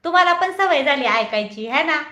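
A woman's voice: high-pitched, expressive, moderate pace, bright, forceful tone, roomy sound. A woman hosting a casual livestream, chatting and teasing viewers by their comments and laughing often. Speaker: livestream host. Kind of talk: casual live chat reading viewer comments.

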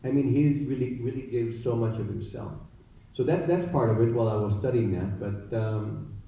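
A Filipino actor at a press conference, answering thoughtfully in mixed English and Tagalog with many fillers. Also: male voice, mid-range voice, normal speed, vocal fry, dark tone. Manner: reflective, many fillers and restarts. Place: large theater stage. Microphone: handheld mic heard through hall speakers. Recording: echoey hall from far off.

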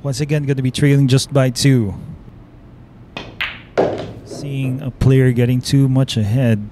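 A man with a Filipino accent giving relaxed, admiring play-by-play commentary on a pool match. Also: medium pitch, unhurried. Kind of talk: live sports commentary. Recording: noisy live stream audio.

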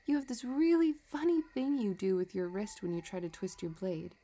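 A woman playing a possessive, scheming villain in a romantic audio roleplay, talking in a soft, teasing, calculating way. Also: medium pitch, very animated, normal speed. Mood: teasing, sly. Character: possessive, scheming female villain obsessed with her crush.

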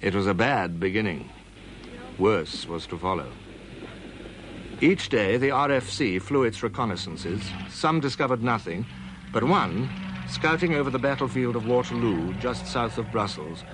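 A man narrating a documentary in a measured, formal way, in an old 1960s broadcast recording. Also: on the low side, lively intonation, background noise. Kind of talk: scripted narration.

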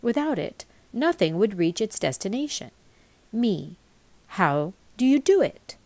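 A woman reading a scripted explainer aloud as a voice-over narrator, with measured enunciation. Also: medium pitch, big pitch swings, warm tone, no echo. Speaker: voice-over reader.

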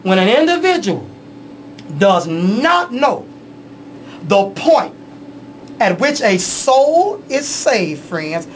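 A man preaching on a church radio show in a small studio, forceful and demanding attention. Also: high voice, very animated, takes it slowly, long pauses, slight background noise, low-quality recording.

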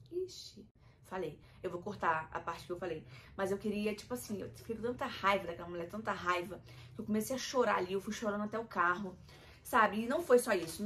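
A woman's voice: mid-range voice, a bit bright, a little hiss or hum. A young adult woman with a Brazilian Portuguese accent, talking candidly and emotionally to her viewers in a personal vlog. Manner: emotional, confiding, addresses viewers as "gente". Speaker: vlogger.

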